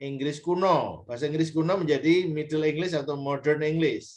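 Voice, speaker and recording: Fairly even in intonation and fairly high in pitch, a man's voice moves along at a moderate pace. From Jepara, Central Java. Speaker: university lecturer. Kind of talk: lecture. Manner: explanatory, code-switching Indonesian and English. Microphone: video call.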